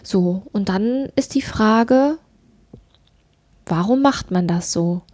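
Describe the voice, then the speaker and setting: A woman's voice: medium pitch, animated, takes it slowly, a little mellow, no echo. A middle-aged woman in a casual discussion, speaking emphatically, repeating phrases and asking rhetorical questions. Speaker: podcast co-host.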